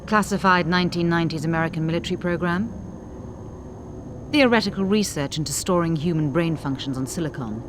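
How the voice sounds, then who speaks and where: Game officer female actor: low register, sharp, attentive, matter-of-fact, noticeable background hum. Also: fairly quick, natural voice. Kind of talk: dramatic game cutscene acting.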